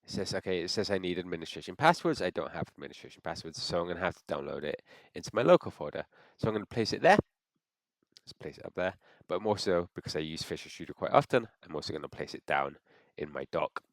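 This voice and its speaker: A man with a cold, sounding congested, talking through a software install step by step and thinking aloud as he clicks. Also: deep voice, very animated, fast, dry recording. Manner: thinks aloud with frequent restarts. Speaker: software tutorial presenter. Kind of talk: screen-recorded how-to walkthrough.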